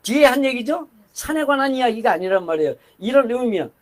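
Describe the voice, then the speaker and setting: Older guy preaching, high pitched voice, chatty and rambly, keeps restarting. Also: lively intonation, quick pace. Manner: conversational, rambling with asides and restarts. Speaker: pastor. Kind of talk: sermon.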